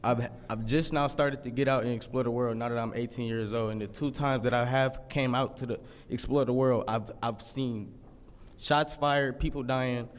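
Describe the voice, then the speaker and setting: An eighteen-year-old man giving a halting, hesitant public comment at a city council meeting. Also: mid-range voice, fairly even intonation. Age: teens. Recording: long reverb of a council chamber.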